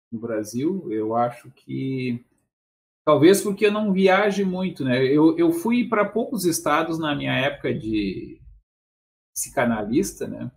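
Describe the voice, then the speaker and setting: A man's voice: medium pitch, big pitch swings, measured pace, vocal fry. A man in his fifties with a Porto Alegre accent, rambling and chuckling on a video call with a headset, often adding tag questions. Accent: Porto Alegre Brazilian Portuguese. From southern Brazil. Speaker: guest in a debate. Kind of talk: casual video call conversation.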